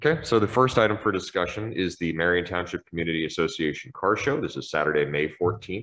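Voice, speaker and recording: A man speaks at a very fast pace with lively intonation. The background is quiet. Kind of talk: meeting chairing. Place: meeting room. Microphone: podium.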